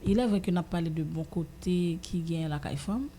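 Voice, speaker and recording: A woman with a Haitian accent giving her opinion in a casual radio discussion, haltingly, often repeating phrases as she searches for words. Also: fairly low pitch, warm tone, a little hiss or hum.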